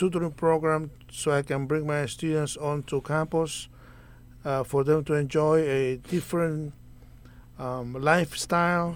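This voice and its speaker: On a very clean recording with a silent background, a man with a Spanish accent speaks fairly slowly at a fairly high pitch with fairly even intonation. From Nicaragua. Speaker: newspaper publisher. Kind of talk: interview. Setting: radio studio. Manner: halting.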